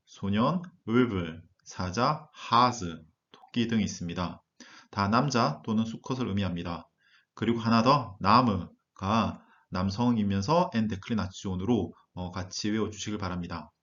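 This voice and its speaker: A man narrating a language lesson, reading word lists slowly and deliberately. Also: fairly low pitch, lo-fi sound. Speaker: German language teacher.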